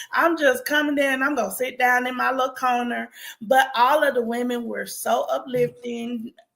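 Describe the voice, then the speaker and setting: A woman's high-pitched voice at a moderate pace with fairly even intonation. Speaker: event attendee. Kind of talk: interview. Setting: livestream.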